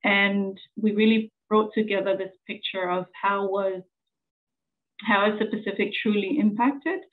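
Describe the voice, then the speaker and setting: Samoan woman presenter in her forties, earnest and halting, flat monotone, phone-thin sound. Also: medium pitch, narrow, tinny audio. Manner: earnest, halting with many fillers. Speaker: journalist presenter. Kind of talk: conference presentation.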